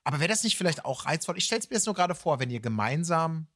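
Musing man with a slightly raised pitch. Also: very animated, fast talker, fairly bright tone. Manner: tentative, musing, winding sentences. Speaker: podcast co-host. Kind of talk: casual interview chat.

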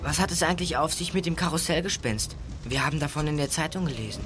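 An actor playing a curious, excitable boy detective in a German radio play. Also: fairly high pitch, fast, natural voice. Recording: clear vehicle noise behind.

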